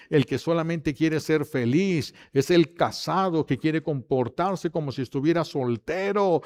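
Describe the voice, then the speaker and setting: Animated priest preaching. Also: male voice, on the high side. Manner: animated preacher, acts out family members' voices in quick anecdotes. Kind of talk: sermon.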